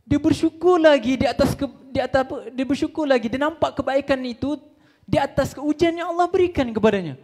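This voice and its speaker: Young male preacher with a Malaysian Malay accent, high voice, storytelling sermon that voices the characters and chants Arabic. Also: a little mellow. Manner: chanted Arabic phrases, slow and drawn out. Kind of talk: Ramadan religious talk retelling a story. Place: lobby hall before a live audience.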